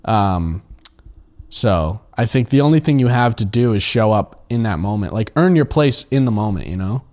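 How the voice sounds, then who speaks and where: A man's voice: fairly low pitch, animated, moderate pace, a little mellow. A man co-hosting a podcast, speaking earnestly in casual conversation and thinking aloud with "uh" and "like". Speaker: podcast co-host.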